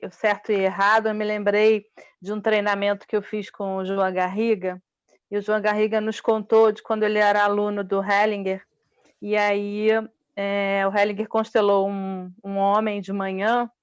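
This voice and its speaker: A woman's voice: mid-range voice, smooth, dry recording, lo-fi sound. Woman telling an anecdote, dry sound. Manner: recounts anecdote, with small fillers. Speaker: workshop participant. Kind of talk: casual storytelling.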